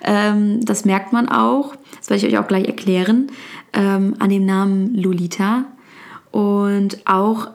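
A woman's voice: mid-range voice, fairly even intonation, takes it slowly, creaky. A young woman whose first language is Turkish, talking casually about a book with many fillers and restarts.

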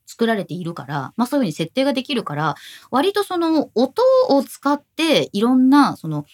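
A woman's voice: a little high, very animated, a little fast, a little mellow. A woman co-hosting a podcast in casual chat, playful and imitating sounds as she talks. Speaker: podcast co-host.

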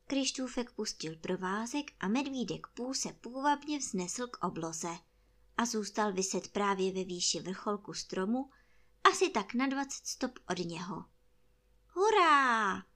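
Bright, lively woman reading a children's story. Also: mid-range voice.

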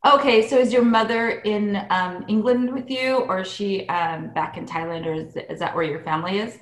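A woman's voice: medium pitch, normal speed. Curious woman host in an echoey room. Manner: curious, animated, laughs easily. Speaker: interviewer, host. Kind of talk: casual interview chat.

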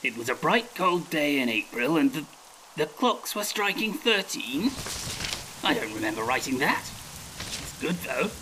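Animated, arrogant writer. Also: male voice, fairly high pitch, unhurried, noisy background. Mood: bemused. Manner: self-satisfied, exclamatory. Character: arrogant, excitable younger George Orwell, comic novelist. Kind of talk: comedy audio drama acting.

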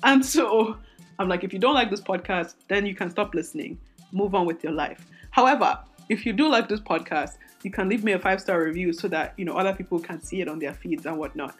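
Woman, 20s, solo podcast host, raspy strained voice, candid and rambling, faint music underneath. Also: mid-range voice, fairly quick. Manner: rambling, self-interrupting, candid. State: voice strained from singing.

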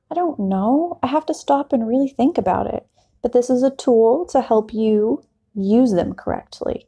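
A woman's voice: on the high side, warm tone, breathy edge. A woman hosting an English lesson podcast in a patient, reassuring teacher voice, explaining things informally in simple words. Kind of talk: explanatory language lesson, unscripted.

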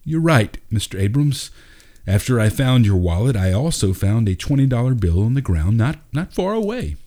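A man's voice: medium pitch, big pitch swings, moderate pace, dark tone, voice pushed up, natural voice. A man voicing a kindly, steadfast father in a storybook, earnest and polite.

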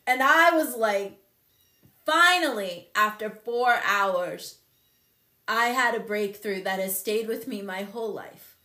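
A woman in her fifties hosting a talk show, telling a personal story in a candid, animated way with frequent laughs. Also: medium pitch, slow pace, echoey room. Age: 50s. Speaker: show host and company CEO. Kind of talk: casual storytelling on a live show.

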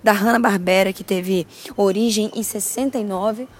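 A Brazilian woman hosting a podcast in a casual, chatty way, with a grating, cracked voice and a loud, exuberant, slangy manner. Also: medium pitch, steady tone, moderate pace. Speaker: podcast host.

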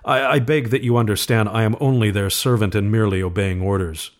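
Man playing a male company messenger, lowish voice, formal, measured, hesitant, apologetic, storybook. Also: fairly even intonation, close to an everyday voice. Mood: formal unease.

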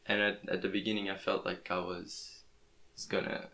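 A man's voice: sits low, level tone, normal speed, creaky, sharp tone. A young man, a native Portuguese speaker, talking in a casual podcast interview, often restarting his words. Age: young adult. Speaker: podcast host. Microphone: plugged-in podcast microphone.

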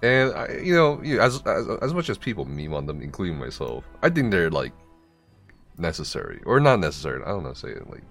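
A man hosting a podcast, chatting casually, joking and animated, often stumbling over his words. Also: low-pitched, a little fast, soft background music. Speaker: podcast host.

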